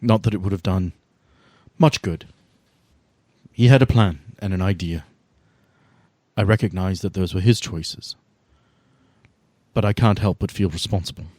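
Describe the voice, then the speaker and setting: Man playing a composed, low-voiced female team leader. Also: darkish tone, dry recording. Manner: measured, formal, earnest. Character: composed, caring female team leader, guilt-laden and firm.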